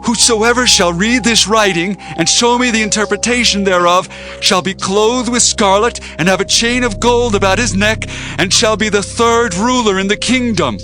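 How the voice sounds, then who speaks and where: An actor playing an alarmed, imperious king in a scripture audio drama, calling out commands loudly and urgently. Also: sits high, moderate pace. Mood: urgent, commanding. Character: alarmed, commanding king crying out to his wise men. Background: faint music.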